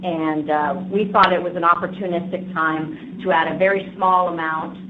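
A woman, a finance executive, calmly explaining answers on an earnings conference call with some fillers. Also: lowish voice, moderate pace. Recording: tinny, echoey phone line with faint hiss.

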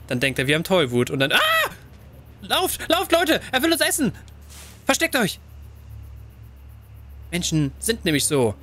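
A young man narrating his game play in German with a bouncy, highly animated delivery, his voice sitting a touch high for a man. He coos affectionately and yelps in alarm as he reacts to what happens on screen. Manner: excitable, cooing at the game's fox cubs. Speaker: let's play gamer. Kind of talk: game commentary.

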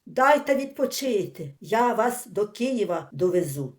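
A woman's voice: mid-range voice, sing-song, measured pace. A woman voicing a huge, worn-out male talking catfish in an audiobook, speaking in a weary, pleading way.

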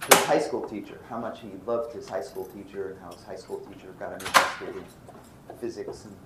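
An older man from Brooklyn giving a university physics lecture, animated and often checking in with his students. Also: deep voice, normal speed. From Brooklyn, New York. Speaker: physics professor. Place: lecture hall. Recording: roomy lecture hall, faint noise.

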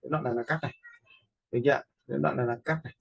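Male software instructor: husky, creaky voice, informal step-by-step delivery with frequent little check-ins. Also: medium pitch, steady tone, very fast. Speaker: video editing instructor. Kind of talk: informal screen-recorded software tutorial.

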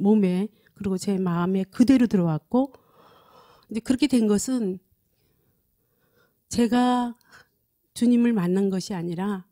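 Mellow-voiced woman in her sixties giving testimony. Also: medium pitch. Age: 60s. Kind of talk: personal testimony at a prayer meeting. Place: indoor studio set, standing at a lectern. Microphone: handheld microphone close to mouth.

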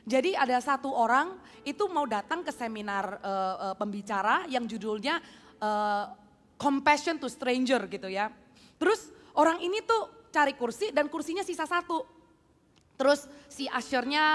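A woman's voice: high-pitched, animated, normal speed, in a large hall. A woman preaching a sermon, telling a story and acting out its characters, slipping English phrases into her talk. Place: church hall.

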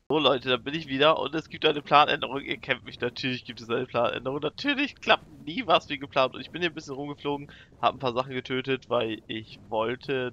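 A man commentating his own gameplay in a casual let's-play style, animated and quick to shriek in panic when things go wrong. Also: mid-range voice, vocal fry, slight background noise.

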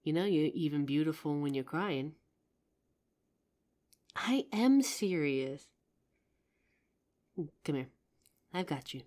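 A woman playing a loving girlfriend, slow and expressive. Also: sits low. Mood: soothing. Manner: tender, teasing, earnest, casual swearing. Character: loving, protective girlfriend reassuring her partner. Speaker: audio roleplay performer. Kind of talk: intimate comfort roleplay, ASMR acting.

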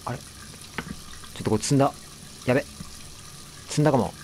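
A man's voice: medium pitch, brisk, darkish tone. A man giving casual let's play commentary, chatting to the game and its characters as he plays. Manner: chatty, talks back at the game, apologizes for noise.

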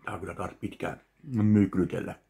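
Finnish guy in his 30s doing a candy taste test at home, lowish voice, slow chewy commentary. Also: vocal fry, mellow. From Finland. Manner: slow, chewing between remarks. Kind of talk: casual tasting commentary. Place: home kitchen, indoors. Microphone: webcam at desk distance.

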